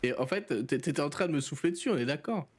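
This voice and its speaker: A man's voice: a little high, expressive, fast talker. A man chatting casually as a player in a tabletop role-playing game.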